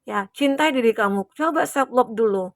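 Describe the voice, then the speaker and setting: A woman's voice: a little high, normal speed, no echo, clean studio sound. A young adult woman giving a chatty, reassuring collective tarot reading to her viewers, with many fillers. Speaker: tarot reader.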